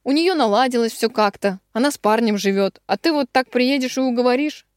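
A woman's voice: fairly high pitch, fairly quick, no room sound, studio quality, voice pushed up, lightly acted. A woman doing a pressing, interrogating father. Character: older man, a questioning father and teacher.

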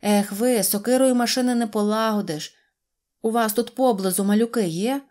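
A woman voicing a brisk, bossy little male mechanic in a storybook, giving loud marching commands. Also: fairly high pitch, lightly acted.

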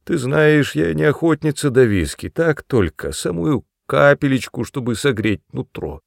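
A man voicing a timid old grandmother who speaks softly in a raised voice and giggles as she gets tipsy. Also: big pitch swings, measured pace, vocal fry, no echo, studio quality. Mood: timid, giggly. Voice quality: higher, soft, giggling.

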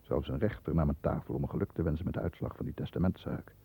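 Deep, gravelly, stern lawyer. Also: male voice, dark tone, full character voice. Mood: grim, agitated. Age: middle-aged. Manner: formal, measured diction. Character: stern, proud male lawyer protecting the family name. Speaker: actor in a radio drama. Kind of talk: 1960s Dutch radio play acting, first-person narration and dialogue. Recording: muffled, thin 1960s radio recording.

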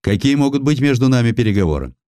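A man's voice: medium pitch, very animated, fast talker, dark tone, dry recording, clean studio sound, pitched above the performer's own voice, close to an everyday voice. A man playing a proud, defiant Russian destroyer commander, firm and formal, in an audiobook. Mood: formal defiance.

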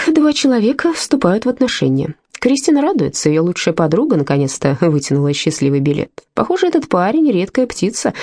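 A woman reading a literary novel aloud as an audiobook narrator, measured and expressive. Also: lowish voice, no room sound, studio quality. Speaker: audiobook reader.

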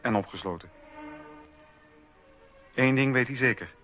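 A man narrating a scripted radio documentary in a measured, formal storytelling manner on a lo-fi recording. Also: medium pitch, music in the background.

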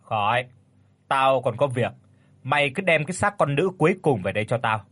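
A man's voice: mid-range voice, lively intonation, moderate pace, a bit bright. A man voicing a cruel, contemptuous village sorcerer in a spoken horror story. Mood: scornful. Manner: harsh, contemptuous.

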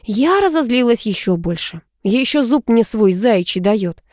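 A woman narrating a first-person story in an expressive way. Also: fairly high pitch, unhurried, no echo, studio quality. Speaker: audiobook narrator.

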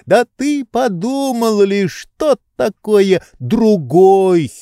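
A man's voice: sits high, animated, very slow, dark tone, clean tone, dry recording, studio quality, pitched above the performer's own voice, heavily acted. A man voicing a pampered, indolent nobleman who speaks in indignant, reproachful rhetorical questions. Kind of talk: audiobook character reading.

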